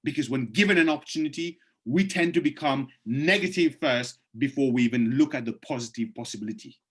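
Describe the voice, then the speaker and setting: A man with a voice worn hoarse from many presentations hosts a video call and speaks through a computer mic. He urges his listeners persuasively and reads their chat questions aloud before answering them one by one. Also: medium pitch, a little fast. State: losing his voice.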